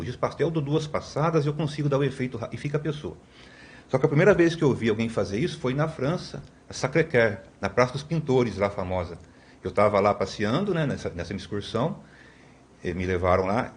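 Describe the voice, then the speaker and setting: Expressive middle-aged man telling stories. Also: medium pitch. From Brazil. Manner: rambling with frequent tag questions and restarts. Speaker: guest. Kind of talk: conversational storytelling.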